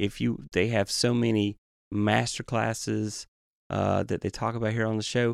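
At a moderate pace, a man with a normal speaking voice keeps a fairly low pitch, fairly even intonation and very even loudness. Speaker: tech show host. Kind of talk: casual chat. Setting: video call.

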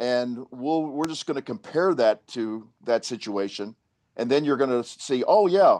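Against a quiet background, a man speaks at a moderate pace in an ordinary speaking voice with a fairly high pitch. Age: 60s. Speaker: financial advisor. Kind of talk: interview. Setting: remote call.

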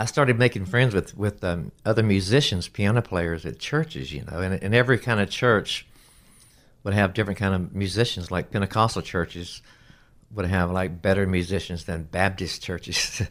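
A man with a Southern US accent talks at a moderate pace in a fairly low voice with ordinary pitch variation. The recording is very clean, with a silent background. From North Carolina. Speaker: record producer. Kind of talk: interview. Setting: conference room.

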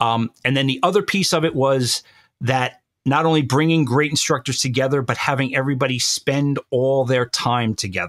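A man speaks at a moderate pace and a medium pitch, with very even loudness and ordinary pitch variation, in an ordinary speaking voice. The sound is dry and close with no echo, on a very clean recording with a silent background. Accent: American. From New York. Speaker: food and beverage photographer. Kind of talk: casual chat.

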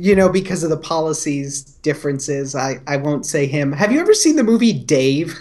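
A man with an American accent and a plain, everyday voice at a fairly high pitch, with ordinary pitch variation, a moderate pace and hardly any pauses. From Arizona. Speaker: podcaster and political commentator. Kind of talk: casual political chat.

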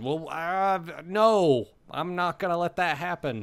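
This man adopts a high-pitched character voice. His delivery is fairly slow. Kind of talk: comic overacting. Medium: game stream. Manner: blustering, menacing.

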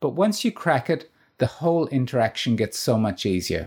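A man with an Irish accent and lively intonation, at a medium pitch and moderate pace, on a very clean recording with a silent background. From Ireland. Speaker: dentist. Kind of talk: scripted narration.

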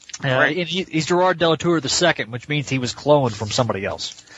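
An ordinary speaking voice from a man, fairly high in pitch, with lively intonation and a moderate pace. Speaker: podcast host. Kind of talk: casual chat.

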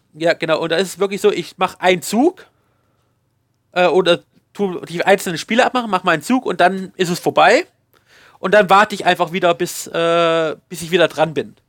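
With long, frequent pauses, a man talks at a fairly quick pace in a high pitch with ordinary pitch variation, the sound dry and close with no echo. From southern Germany, near Lake Constance (Ravensburg). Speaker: podcaster and gamer. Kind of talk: casual chat. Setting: Skype call.

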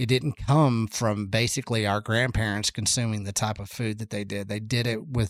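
This man has a Texan accent, a medium pitch, and fairly even intonation at a moderate pace. The recording is very clean with a silent background and a dry, close sound with no echo. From Texas. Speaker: rancher and food activist. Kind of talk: interview. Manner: casual, filler-heavy.

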